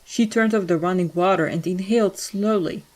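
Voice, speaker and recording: A woman's voice: mid-range voice, normal speed, darkish tone, poor audio. A woman reading scripted story narration as the narrator of an audio drama.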